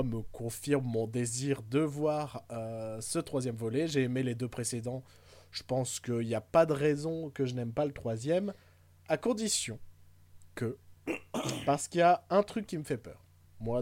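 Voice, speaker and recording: A man's voice: mid-range voice, a little mellow, no echo. A man co-hosting a podcast, chatting casually about films in a rambling, hesitant way with frequent fillers and jokes. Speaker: podcast co-host. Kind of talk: casual film chat.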